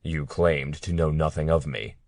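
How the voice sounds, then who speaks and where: A man voicing a cold, menacing male captor in an audiobook, speaking quietly and mockingly. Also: a bass voice, fairly even intonation, moderate pace, no room sound, clean studio sound. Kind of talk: audiobook character reading.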